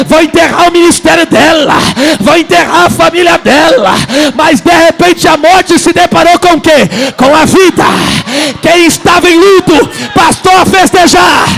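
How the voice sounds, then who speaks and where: Brief: male Brazilian preacher, very high gravelly voice, shouting, chanting, speaking in tongues. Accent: Brazilian Portuguese. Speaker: pastor. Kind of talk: charismatic Pentecostal sermon. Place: church service.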